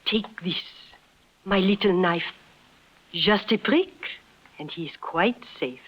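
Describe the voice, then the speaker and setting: A woman's voice: fairly low pitch, takes it slowly, fairly bright tone, breathy edge, exaggerated voice. An actress playing a bold, mysterious young woman who leads the way in a 1950s radio drama, speaking in formal, clipped, commanding phrases. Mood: hushed, intense. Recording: muffled old 1950s radio broadcast.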